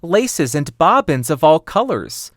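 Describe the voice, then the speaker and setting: Man as a high, wheedling old peddler woman. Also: sing-song, unhurried, no room sound, clean studio sound.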